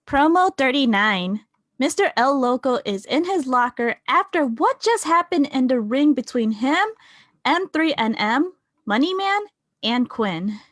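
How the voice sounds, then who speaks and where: Female stage-direction reader, high voice, measured slow pace, dry close sound. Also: animated, dry recording. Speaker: narrator. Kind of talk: reading stage directions aloud.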